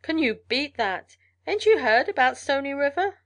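A woman's voice: high-pitched, big pitch swings, moderate pace, pitched above the performer's own voice. A woman voicing a gossipy, amused frontier mail carrier in a storybook, with folksy colloquial talk. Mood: amused, incredulous. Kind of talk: storybook character voice in narration.

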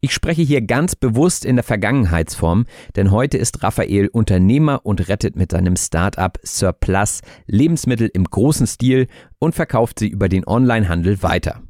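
A man hosting a language-learning podcast, speaking in a measured, clear, teacherly way as he introduces and interviews a guest. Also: lowish voice, lively intonation, darkish tone, no room sound, clean studio sound. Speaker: podcast host and German teacher. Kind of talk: scripted intro, then interviewing.

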